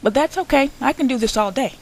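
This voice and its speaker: A woman's voice: high-pitched, expressive, fast talker, rough recording. A young woman hosting her own channel, answering another vlogger in a sarcastic, combative response rant.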